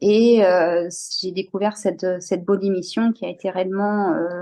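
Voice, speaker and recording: At a fairly slow speed and with fairly even intonation, the speaker uses a plain, everyday voice. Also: woman. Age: 40s. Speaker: hairdresser and customer giving testimony. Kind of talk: testimony.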